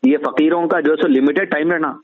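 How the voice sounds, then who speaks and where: A man's voice: fairly high pitch, fairly even intonation, brisk. A man with a Hyderabadi accent talking casually and giving his opinions on a phone call, explaining his points in repeated lists. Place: on a phone line. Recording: tinny narrowband phone call recording.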